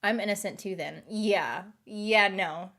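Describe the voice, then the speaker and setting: A woman's voice: mid-range voice, measured pace, fairly bright tone. A woman with a light Southern accent, chatting casually with her stream viewers in a rambling, giggly way. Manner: rambling, giggly, restarts and overthinks aloud. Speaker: live streamer.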